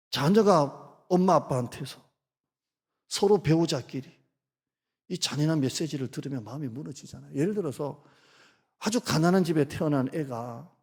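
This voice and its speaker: A middle-aged male pastor preaching a sermon in a church, repeating short phrases and softly acting out quoted lines. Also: medium pitch, gravelly, husky. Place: church sanctuary. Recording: long hall reverb.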